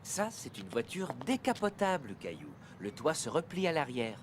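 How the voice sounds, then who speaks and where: A man voicing a calm, friendly father in a cartoon dub, patiently explaining things. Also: on the high side, moderate pace, background noise.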